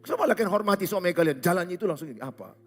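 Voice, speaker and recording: A man's voice: sits high, lively intonation, racing, husky. A man from Indonesia, preaching a humorous sermon as a pastor, often acting out little dialogues. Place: church stage.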